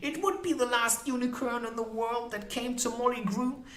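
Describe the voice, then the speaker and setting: A man voicing a fierce, bitter, sharp-tongued ragged woman past her youth in a fantasy storybook. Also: extremely high pitch, lively intonation, moderate pace, reverberant, pitched above the performer's own voice. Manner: scolding, sharp-tongued, emotional.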